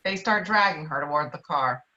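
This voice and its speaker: A woman's voice: sits low, expressive, normal speed, sharp tone, muffled recording. Woman narrating screenplay stage directions.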